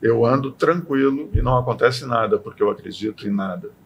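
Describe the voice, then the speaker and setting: A man in a podcast discussion who explains ideas with lively acted-out examples. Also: mid-range voice, a little fast, gravelly, lo-fi sound, slight background noise. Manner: animated, acts out everyday sayings in quoted voices. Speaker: podcast panelist.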